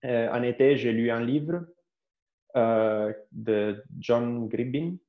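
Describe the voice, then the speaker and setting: A man in his thirties with an Italian accent, an astrophysicist answering interview questions with many pauses, fillers and restarts. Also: mid-range voice, steady tone. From Italy. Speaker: astrophysicist guest. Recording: echoey, dull lo-fi live stream.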